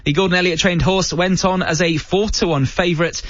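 A man's voice: sits high, steady tone, fairly quick, a bit bright, no echo, lo-fi sound. A British man presenting live sport on the radio from a studio, with an emphatic broadcast delivery. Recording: music behind the voice. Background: music.

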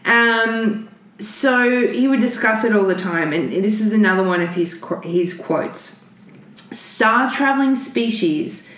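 A woman co-hosting a loose, casual podcast chat, her voice sitting at a middle pitch. She talks in animated bursts, swears freely and keeps restarting her sentences. The room around her is noticeably echoey. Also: unhurried. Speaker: podcast co-host. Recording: roomy echo.

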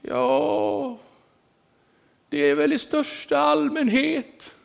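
Man doing a high stubborn old woman. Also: sing-song, vocal fry, exaggerated voice. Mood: frightened. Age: older. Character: elderly woman in a care home, sweet-toothed, fearful. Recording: long echoey hall reverb.

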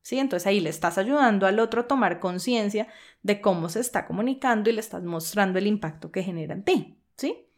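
A woman's voice: medium pitch, expressive, fairly quick. A woman podcast host teaching coaching skills for leaders, explaining step by step and often checking in with a questioning "¿sí?". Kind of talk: instructional podcast talk.

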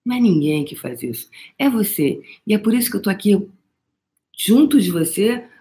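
A woman's voice: medium pitch, expressive, normal speed, dark tone. A middle-aged woman with a Brazilian Portuguese accent, giving a live motivational talk. She speaks emphatically, often calls the listener "meu amor" and swears now and then. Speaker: motivational coach.

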